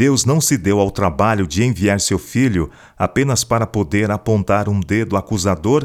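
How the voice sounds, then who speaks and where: On a very clean recording with a silent background, a man with an unremarkable speaking voice talks at a fairly slow pace in a fairly low pitch. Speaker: preacher. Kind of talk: devotional sermon. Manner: earnest, warm, persuasive; measured, teaching cadence.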